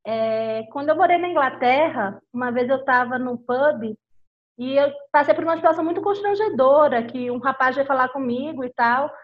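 Female, high-pitched, Brazilian accent, conversational storyteller in a discussion, slightly dull lo-fi audio. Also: normal speed. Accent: Brazilian Portuguese. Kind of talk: conversational discussion with personal anecdotes.

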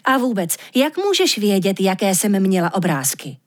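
A woman's voice: mid-range voice, sing-song, lightly acted. Woman playing a wry little arctic fox. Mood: wry, doubtful. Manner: teasing, wry, doubtful. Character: small skeptical female arctic fox.

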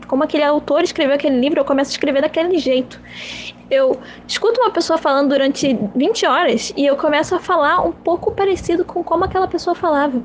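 High-voiced young woman musing aloud. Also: dull audio, a little hiss or hum. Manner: musing, self-mocking, repeats herself. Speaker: podcast host. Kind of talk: casual rambling monologue.

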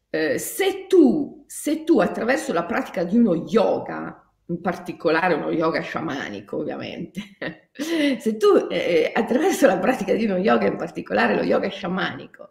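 Gravelly low woman, echoey room. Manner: emphatic, repetitive, laughs between phrases. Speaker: shamanic yoga teacher. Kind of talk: spiritual talk.

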